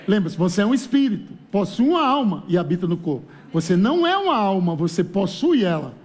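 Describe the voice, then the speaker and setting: A man with a Brazilian Portuguese accent preaching a lively, humorous sermon at a church conference. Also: high voice, brisk. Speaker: pastor.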